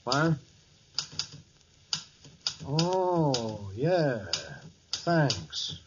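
An actor playing a surly, offhand crook with slangy speech in a 1940s radio drama. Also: male voice, a little high, lively intonation, very slow, background noise. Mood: puzzled. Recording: dull, muffled old radio recording.

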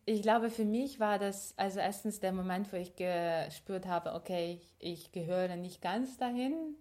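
A woman's voice: mid-range voice, unhurried, darkish tone. A young woman from Ukraine, co-hosting a podcast in casual conversation, reflective and thinking aloud with fillers and restarts. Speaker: podcast co-host.

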